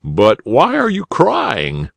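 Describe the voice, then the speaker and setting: A man voicing a jolly, kindly old rabbit gentleman in a storybook reading. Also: medium pitch, huge pitch swings, slow, gravelly, no echo, pitched above the performer's own voice, full character voice.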